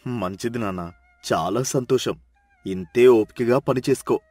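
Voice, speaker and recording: A man's voice: medium pitch, measured pace, a little mellow, faint music behind, close to an everyday voice. A man voicing a proud, encouraging older village farmer who gives advice in a storybook tale. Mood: approving. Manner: encouraging, advising. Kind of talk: storybook character dialogue.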